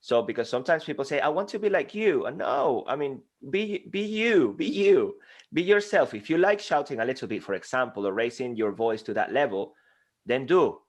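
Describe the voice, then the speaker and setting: A man from Venezuela with a Venezuelan Spanish accent, a Spanish native speaker talking as a guest speaking coach in an interview, animated and passionate, acting out little dialogues. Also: medium pitch, normal speed. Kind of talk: energetic interview conversation. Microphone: desk microphone.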